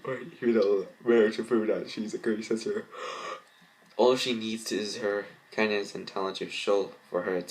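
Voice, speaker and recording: A man's voice: on the low side, poor audio. A man reading a story aloud and commenting on it, often stumbling over words and rereading them. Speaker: fan fiction reader.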